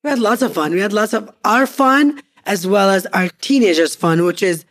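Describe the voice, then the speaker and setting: A woman's voice: mid-range voice, lively intonation, normal speed, fairly bright tone. A woman in her forties co-hosting a casual couple's podcast, earnest and upbeat, stacking her points in lists. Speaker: podcast co-host.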